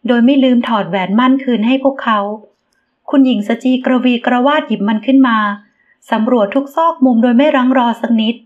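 A woman reading a romance novel aloud in a steady, expressive storybook narration. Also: sits high, brisk, narrow, tinny audio. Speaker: audiobook narrator.

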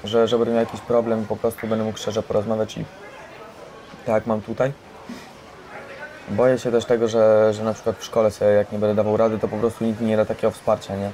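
A man's voice: fairly low pitch, completely flat delivery, fairly quick, mellow. A young man speaking earnestly and candidly about himself, often adding tag questions. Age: teenager or young adult. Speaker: resident of a youth care centre. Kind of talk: candid personal testimony. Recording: faint background noise, ambience.

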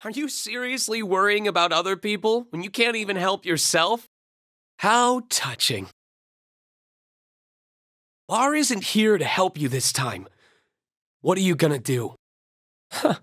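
An actor playing a reckless, thrill-seeking young man in a video game, emotional and sardonic, with a husky voice. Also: high voice, expressive, measured pace, pauses often, a bit bright, no echo, clean studio sound. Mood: mocking. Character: reckless thrill-seeking young man, betrayed creation pleading with his father. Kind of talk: dramatic video game voice acting.

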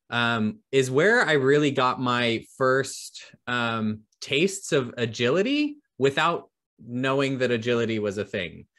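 A man's voice: medium pitch, a bit bright. A man who works as an agile product coach, talking as a guest on a video call in an easygoing way, with lots of ums and a dry bit of humor. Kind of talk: casual video-call conversation. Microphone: webcam on a video call.

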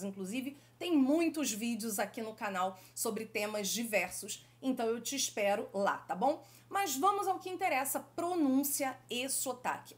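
Lively Brazilian woman teaching French. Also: a little high. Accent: Brazilian Portuguese. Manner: affectionate, lively direct address to viewers. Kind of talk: YouTube language lesson.

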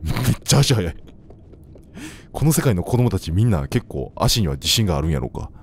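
Young Kansai man, low voice with wide swings, casual let's-play chatter. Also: very animated, brisk, slight background noise. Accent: Kansai Japanese. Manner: joking, talks to the game characters, sudden shouts. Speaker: gameplay commentator. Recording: faint game music behind.

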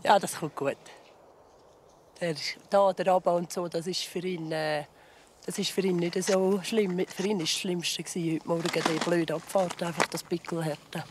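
A woman's voice: on the low side, fairly even intonation, normal speed, slight background noise. A woman in her thirties with a Swiss German accent, chatting casually on a snowy mountain glacier. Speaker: ski tourer. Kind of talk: casual chat to camera.

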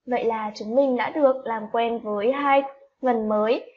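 A woman's voice: on the high side, steady tone, normal speed. A woman primary school teacher, leading a spelling lesson for young children, stretching out each sound and asking the class coaxing questions. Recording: slightly dull lo-fi recording.

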